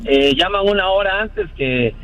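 A man's voice: high voice, lively intonation, measured pace, fairly bright tone, highs cut off, a little hiss or hum. A Colombian man calling in to a radio show, hesitant and repeating his words as he speaks. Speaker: caller, construction foreman. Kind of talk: call-in radio chat.

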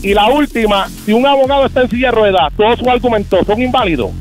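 A man's voice: extremely high pitch, fast talker, soft background music. A man with a Puerto Rican accent calling into a radio show to tell teasing riddles. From Puerto Rico. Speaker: caller. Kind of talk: joking call-in.

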